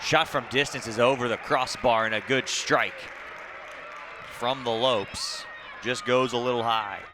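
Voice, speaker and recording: A young man with a mid-range voice calls soccer play-by-play live. Clear crowd noise and outdoor ambience sit behind his commentary. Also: mid-range voice, steady tone, unhurried.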